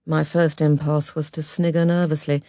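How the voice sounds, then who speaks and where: A woman narrating an autobiography audiobook in a measured, expressive storytelling manner. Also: low-pitched, no echo, studio quality. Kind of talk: scripted memoir narration.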